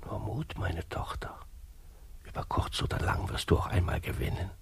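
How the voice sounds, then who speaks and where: An actor playing a sly, unctuous Catholic confessor in a satirical radio play, speaking in a hushed, pious, conspiratorial murmur. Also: male voice, low voice, moderate pace, whispered. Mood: soothing, insinuating. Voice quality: husky, breathy.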